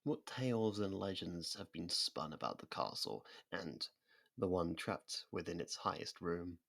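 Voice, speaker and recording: Casting: a performer as an ancient sadistic vampire for ASMR roleplay, very low, husky, bored and predatory, theatrical delivery. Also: expressive, fairly bright tone, full character voice. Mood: smug, curious. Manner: theatrical, mocking, slipping into slow whispers. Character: sadistic centuries-old vampire, mocking, bored, hypnotically predatory.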